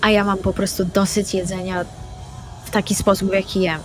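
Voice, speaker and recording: A woman's voice: medium pitch, flat delivery, brisk, faint music behind, natural voice. Woman playing a courteous, theatrical vampire artist. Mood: self-assured. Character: polite, self-assured female vampire artist. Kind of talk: improvised tabletop role-play.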